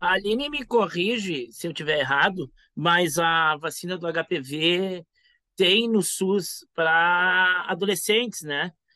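At a very slow pace, a man with a high pitch and a bright, sharp tone uses ordinary pitch variation against a quiet background. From Brazil, Porto Alegre area. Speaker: podcast co-host. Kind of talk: casual podcast chat.

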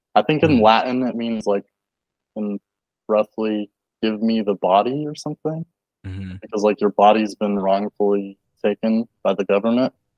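A man with an American accent speaks at a moderate pace in a fairly low pitch with ordinary variation. He leaves long, frequent pauses. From Washington State, US. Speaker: law graduate and mountaineer. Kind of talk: casual chat. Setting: video call.

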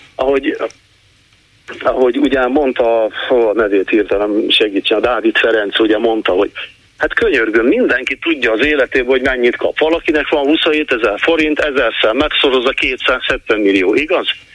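With noticeable background noise behind him, a man keeps a moderate pace and a very even loudness. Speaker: caller. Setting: phone call.

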